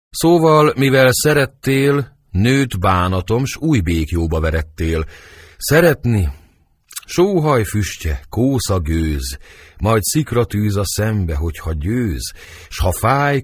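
A man's voice: lowish voice, husky, no echo. A man reading the part of Romeo, a brooding young nobleman in love, declaiming verse with sighing swings of feeling in an audiobook.

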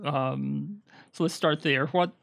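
A man's voice: a little high, slow, gravelly, fairly bright tone. A man co-hosting a podcast, who asks questions casually and hesitantly, with many fillers. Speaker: podcast co-host.

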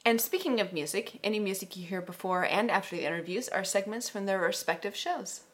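A woman's voice: mid-range voice, brisk. A woman co-hosting a podcast, chatting casually in a playful, teasing way. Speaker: podcast co-host.

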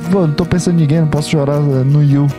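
A man's voice: on the high side, steady tone, rapid-fire, over music. Emotional, rambling man. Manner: emotional, rambling, self-deprecating, with frequent restarts. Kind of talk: casual reaction vlog.

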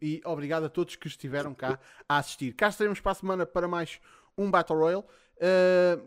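A man with a European Portuguese accent hosting a livestream in a casual, sweary chat style. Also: fairly high pitch. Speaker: livestream host.

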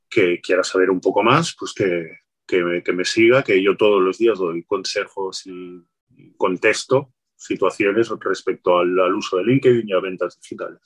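A man speaking as an interview guest, explaining marketing tips in a relaxed, advice-giving way, often restarting his phrases. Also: deep voice. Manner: explanatory, many restarts and "pues". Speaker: guest, LinkedIn sales consultant.

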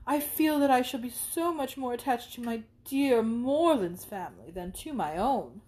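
A woman's voice: a little high, lively intonation, normal speed, a little mellow, natural voice. A woman reading aloud and voicing a gushing, theatrical young woman who swoons and drops into whispers. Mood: effusive.

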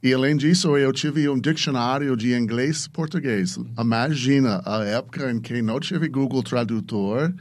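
A man's voice: medium pitch, normal speed, few pauses. A man with an American accent, a native English speaker, talking casually as a podcast guest and searching for words in his second language. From United States. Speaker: podcast guest, venture capitalist.

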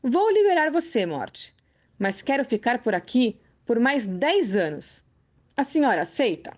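A woman voicing a crafty, cheerful old man who talks calmly and teasingly in a storybook tale. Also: a little high, a little slow. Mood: sly, teasing. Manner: sly, calm, teasing.

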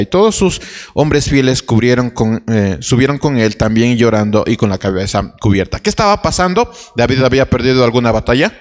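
Man preaching in a reverberant hall. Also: medium pitch. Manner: storytelling, many restarts and rhetorical questions. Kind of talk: sermon.

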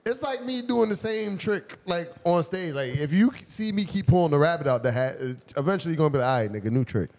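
A man's voice: fairly high pitch, lively intonation, fast, few pauses, darkish tone. A man on a talk panel chatting casually, telling slangy stories and acting out what people say. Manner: slangy storytelling, acts out quotes. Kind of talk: casual group chat. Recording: long echoing room reverb.

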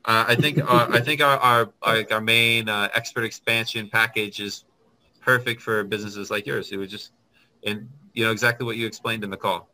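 Chatty male business host, friendly and quick, bright forceful voice. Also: on the low side, level tone, poor audio. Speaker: business consultant and channel host. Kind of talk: casual video call, then talking to camera.

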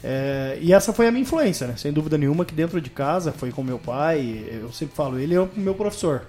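A man in his thirties from northern Paraná talks through his life as a podcast guest, in a slightly high voice. He speaks in easy, rambling sentences and keeps checking in with a quick question tag. Faint music plays behind him. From northern Paraná, Brazil. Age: 30s. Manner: relaxed storytelling with many tag questions. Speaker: guest, radio sports commentator. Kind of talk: casual podcast interview.

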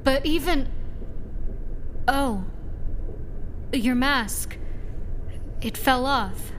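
A woman's voice: high-pitched, very slow, a bit bright, a little hiss or hum, exaggerated voice. An actress playing a sassy female vigilante sidekick in a 1940s pulp radio drama, wisecracking and slangy. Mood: amazed, teasing.

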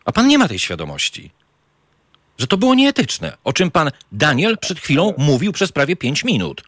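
Combative male radio host, lively pitch. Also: normal speed, dry recording. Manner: combative, interrupting, accusatory. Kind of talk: confrontational radio interview.

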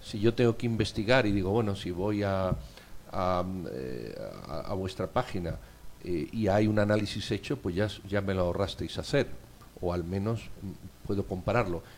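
A man's voice: low-pitched, moderate pace, darkish tone, slight background noise. A man co-hosting a radio interview who asks probing, insistent questions. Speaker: radio co-host.

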